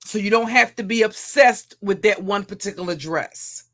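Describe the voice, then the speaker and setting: A woman livestream commentator with a heavy, deep, slightly bright voice delivers a profane roast rant, mocking as she goes. She speaks at a moderate pace, often repeating and restarting her phrases.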